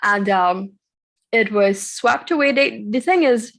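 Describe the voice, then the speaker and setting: A woman, co-hosting a podcast in a calm, measured casual chat. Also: fairly high pitch, vocal fry. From Trinidad and Tobago. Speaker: podcast co-host.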